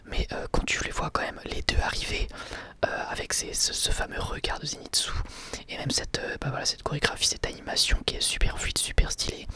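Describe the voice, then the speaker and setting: A man giving a whispered ASMR review of an anime episode, soft and unhurried, full of hesitations and casual slang.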